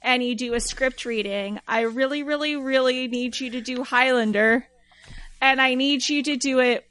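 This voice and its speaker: A woman's voice: high-pitched, moderate pace, fairly bright tone. A woman guest-hosting a podcast, chatting casually with short teasing remarks. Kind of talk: casual chat.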